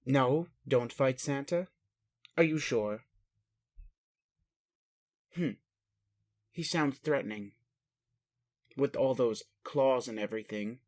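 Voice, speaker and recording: A man playing a puzzled, caring alien caretaker in a roleplay audio, speaking formally and haltingly to the listener with literal-minded curiosity. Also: mid-range voice, a little mellow, lightly acted. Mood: suspicious, puzzled. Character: puzzled, caring male alien caretaker aboard his spaceship.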